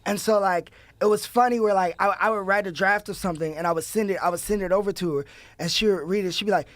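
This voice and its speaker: A man's voice: high voice, fairly even intonation, fast, a bit bright, dry recording. A young man, a writer, recounting stories eagerly in a casual chat. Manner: eager, laughing retelling with quoted voices. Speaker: TV writer guest.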